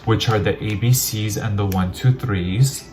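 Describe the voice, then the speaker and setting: Chatty low-voiced man unboxing. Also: unhurried, a little mellow, a little hiss or hum. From Armenian heritage. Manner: chatty, rambling, self-deprecating. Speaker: vlogger. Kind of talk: casual unboxing chat.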